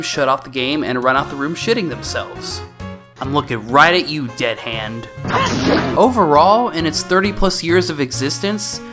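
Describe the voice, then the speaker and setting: A man hosts a casual game review in an informal, slightly sweary way. His pitch moves around a lot, and music plays clearly behind him. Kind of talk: casual video commentary.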